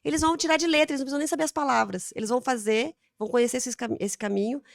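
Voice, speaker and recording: A woman with a Brazilian Portuguese accent, a podcast guest answering in lively casual talk and acting out talks with her children. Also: high-pitched, very fast, creaky, dry recording, clean studio sound. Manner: animated, acts out dialogues with her children.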